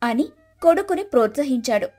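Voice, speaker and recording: High-pitched woman narrating a moral story. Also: animated, brisk, mellow, soft background music.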